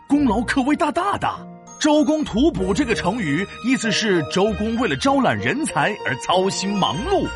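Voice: mid-range voice, a bit bright. An actor playing a boastful, learned five-thousand-year-old dragon who tells stories to children in a theatrical, teasing, explanatory way. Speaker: storyteller and teacher. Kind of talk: animated children's educational audio drama storytelling.

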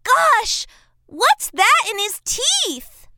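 A woman's voice: extremely high pitch, very animated, extremely slow, pushed and bright, dry recording, studio quality, pitched above the performer's own voice, full character voice. A woman voicing a brave, cheerful young boy prince in a storybook, sounding eager and encouraging. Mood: chirpy. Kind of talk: storybook character voice.

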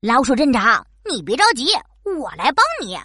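A woman's voice: fairly high pitch, sing-song, moderate pace, bright, forceful tone, breathy edge, dry recording, studio quality, full character voice. A woman voicing a cheerful little rabbit who loves to eat, in a children's audio story. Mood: bouncy, playful.

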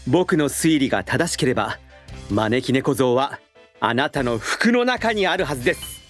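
A man voicing a calm, clever police inspector in a storybook drama, speaking with composure. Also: medium pitch, normal speed, soft background music, natural voice. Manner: composed, lively intonation.

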